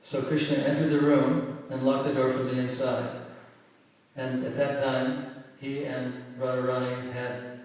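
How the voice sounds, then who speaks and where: A man telling a scripture story to a class, halting and searching for words at times, and getting louder when he quotes the characters' pleas. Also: medium pitch, monotone. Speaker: lecturer giving a scripture class. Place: large temple hall. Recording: echoey hall from far off.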